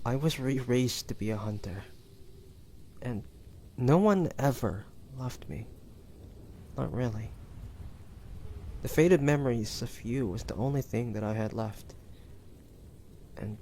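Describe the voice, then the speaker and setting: Man acting a slow, tender, weary young hunter. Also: medium pitch, gravelly, a little mellow, slight background noise. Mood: vulnerable, wistful. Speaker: amateur voice actor. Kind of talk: intimate romantic audio roleplay.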